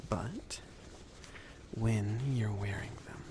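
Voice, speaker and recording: A man playing a chill, considerate mage in an ASMR fantasy roleplay, speaking softly in a casual, hesitant, reassuring way. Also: fairly low pitch, fairly even intonation, drawn-out words, background noise. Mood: calm, instructive. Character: chill, considerate mage sending an apprentice on errands.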